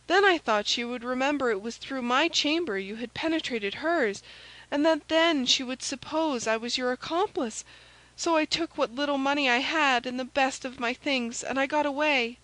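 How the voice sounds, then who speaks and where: An anxious young servant girl from a storybook, acted by a woman narrator. Her voice sits high and pleads, frightened and devoted, with a dry, close sound. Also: normal speed, fairly bright tone, no room sound, low-quality recording. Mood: breathless, upset. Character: frightened, lovestruck young French maid.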